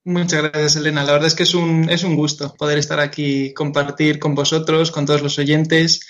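A man's voice: on the high side, little pitch movement, normal speed, highs cut off. A young man in his twenties with a Madrid Spanish accent, a guest in a radio interview, speaking earnestly and hesitantly, often repeating and restarting words. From Madrid, Spain. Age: 20s. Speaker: guest singer-songwriter.

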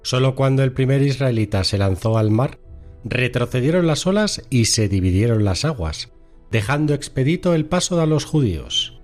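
A man reading a short moral story aloud on a radio program in a measured storytelling manner. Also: medium pitch, lively intonation, a little mellow, soft background music. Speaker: story reader. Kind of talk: scripted narration.

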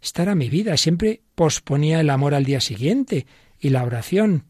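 A man reading the lines of an elderly dying philosopher, humble and pleading, in a slow, halting way. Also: a little high, animated, darkish tone, dry recording, clean studio sound. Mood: earnest.

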